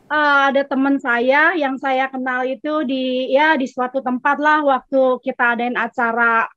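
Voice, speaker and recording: A woman's voice: high-pitched, fairly even intonation, unhurried, bright, forceful tone, dry recording. A woman in a congregation telling a testimony casually, chatty and acting out both sides of a conversation. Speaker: congregation member giving a testimony. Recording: dry, slightly dull sound.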